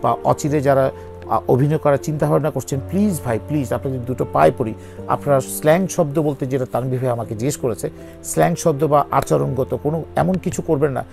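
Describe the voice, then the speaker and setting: Male actor guest, gravelly, emphatic and sincere, interview chat. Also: medium pitch, fairly quick, a little mellow, soft background music. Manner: earnest, emphatic, pleading. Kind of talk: interview conversation.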